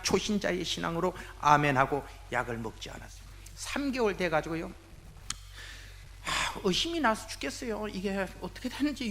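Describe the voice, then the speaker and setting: Older man in his sixties, church elder, testimony sermon, high bright voice, lively storytelling. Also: slight background noise. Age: 60s. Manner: animated storytelling, acting out quoted voices.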